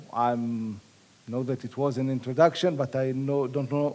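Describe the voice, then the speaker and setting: In an Israeli accent, a man speaks at a moderate pace with a fairly high pitch. His tone is dark and mellow. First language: Hebrew. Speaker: retired army officer. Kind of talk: lecture. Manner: halting.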